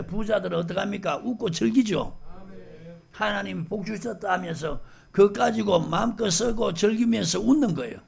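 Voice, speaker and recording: Gravelly high-voiced preaching man. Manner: fervent, scolding preaching with rhetorical questions to the congregation. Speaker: pastor. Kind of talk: sermon.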